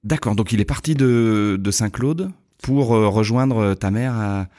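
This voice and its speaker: A man's voice: fairly low pitch, unhurried, mellow, no room sound, clean studio sound. A man from France hosting a podcast interview and prompting his guest with brief questions. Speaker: podcast host.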